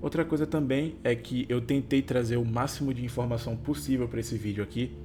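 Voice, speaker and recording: A man with a medium pitch and a dark, mellow, somewhat breathy tone talks at a fairly quick pace with lively intonation. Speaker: YouTube lore narrator. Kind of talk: casual outro to viewers; scripted narration. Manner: halting, stumbles on words.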